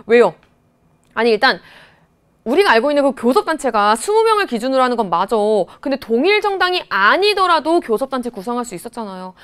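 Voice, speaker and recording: A woman teacher in her thirties giving an exam explanation lecture, chatty and animated, often mimicking her students. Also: on the high side, smooth. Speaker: high school teacher. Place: studio.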